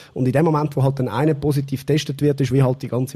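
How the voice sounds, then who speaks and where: A somewhat breathy, dark, mellow voice at a very fast pace with monotone, flat intonation. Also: man. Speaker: podcast host and comedian. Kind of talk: casual interview. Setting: Skype call.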